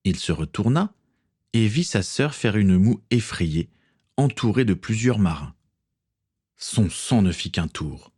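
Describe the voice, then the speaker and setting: A man reading an adventure audiobook in a measured, expressive way. His voice sits on the lower side, but his inflection swings widely through each sentence. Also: breathy edge. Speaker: narrator. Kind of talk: audiobook narration.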